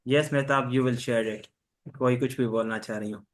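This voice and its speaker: Male online class host, South Asian accent, even intonation, formal and halting in English. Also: mid-range voice. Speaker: host and moderator of an online law study session. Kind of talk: informal online class moderation, switching between Hindi-Urdu and English. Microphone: online group call.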